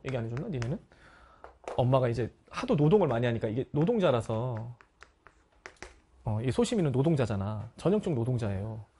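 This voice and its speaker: A man's voice: mid-range voice, slight background noise. A middle-aged man, a language lecturer, telling his students a story in a casual way and acting out the scenes with sound effects. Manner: animated, acts out scenes with sound effects and voices.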